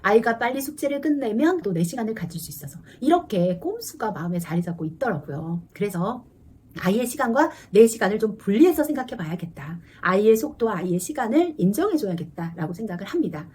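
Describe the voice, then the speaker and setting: A woman in her forties, a teacher and mother, talking earnestly to camera about parenting and acting out quick exchanges with her child. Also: medium pitch, sing-song, a little mellow, breathy edge. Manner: earnest, confiding, acts out dialogue with her child. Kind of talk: casual parenting talk to camera.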